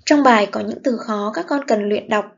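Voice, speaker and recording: Expressive female teacher reading aloud. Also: fairly high pitch, dull audio. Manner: slow, clear model reading with expressive phrasing. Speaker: primary school teacher. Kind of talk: reading lesson for young pupils.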